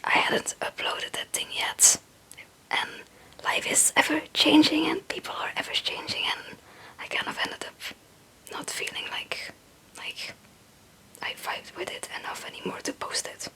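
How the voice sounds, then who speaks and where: A young woman, a native Dutch speaker, whispering breathily in a rambling, halting, casual ASMR chat. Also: high voice, level tone, sharp tone, low-quality recording. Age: young adult. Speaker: ASMR video creator.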